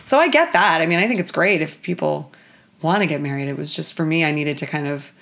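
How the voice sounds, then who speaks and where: A woman guest talking casually about her life in a kitchen, her voice a bit raspy, chatty and reflective with many fillers. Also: low voice, fast, fairly bright tone. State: slightly raspy voice. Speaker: guest, actress. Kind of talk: casual podcast chat.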